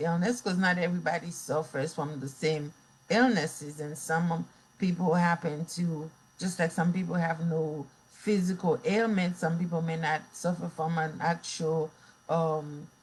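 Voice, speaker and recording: A woman speaks with a slight non-native accent at a fairly low pitch. Her voice is somewhat breathy, with fairly even intonation. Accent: slight foreign. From Haiti. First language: Haitian Creole. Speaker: mental health therapist. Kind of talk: live stream talk. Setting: social media live video. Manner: halting, many fillers.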